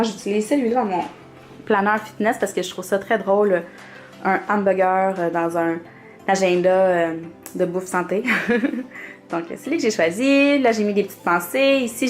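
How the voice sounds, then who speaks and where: A woman's voice: medium pitch, steady tone, moderate pace, soft background music. A young woman with a Québécois French accent, chatting casually as she shows off her planner, with lots of fillers and little laughs. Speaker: planner vlogger. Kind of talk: casual show-and-tell.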